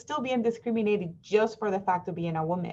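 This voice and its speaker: A fairly high-pitched woman with a Spanish accent, fairly quick in pace, with ordinary pitch variation. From Mexico. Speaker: physician and oncologist. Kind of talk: lecture.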